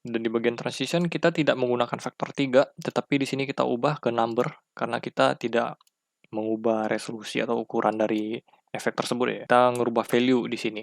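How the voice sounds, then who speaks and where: A man with an Indonesian accent giving a casual, step-by-step software tutorial and addressing viewers informally as friends. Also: medium pitch, vocal fry, no room sound, clean studio sound. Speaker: tutorial presenter.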